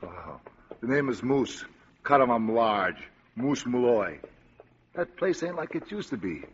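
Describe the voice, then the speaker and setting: A hulking gruff brute fresh from prison, old dull radio sound. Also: male voice, medium pitch, big pitch swings, unhurried. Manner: gruff, ungrammatical tough-guy speech. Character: huge slow-witted male ex-convict brute. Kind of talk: 1940s radio acting.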